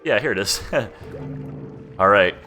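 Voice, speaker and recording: A young man streaming a video game, chatting casually in a flat, laid-back monotone. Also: on the low side, slow, soft background music. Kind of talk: casual gameplay commentary.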